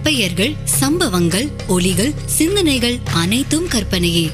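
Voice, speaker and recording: A woman's voice: a little high, big pitch swings, measured pace, over music. A woman reading a formal scripted radio announcement.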